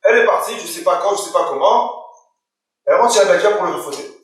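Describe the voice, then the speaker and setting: A man's voice: high-pitched, lively intonation, fast talker, a bit bright. A man, a rabbi, telling a story during a Torah lesson to listeners, voicing the people in it and putting questions to the room. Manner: retells the story with quoted dialogue and questions to listeners. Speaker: rabbi teaching a Torah class. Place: hall or study room with listeners. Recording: very echoey room, voice far from the mic.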